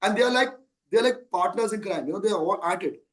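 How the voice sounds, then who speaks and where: A man's voice: sits high, fast talker. An Indian-accented man in his thirties, a company chief executive answering questions on an earnings call at length, emphatically, with rhetorical questions.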